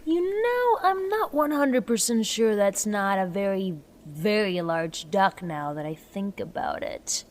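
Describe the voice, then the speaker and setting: A woman's voice: mid-range voice, lively intonation, unhurried, hardly any pauses, a little mellow, lightly acted. A woman playing a scrappy, upbeat engineer in a sci-fi audio drama, with a wry, rambling way of talking. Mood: wry, breezy.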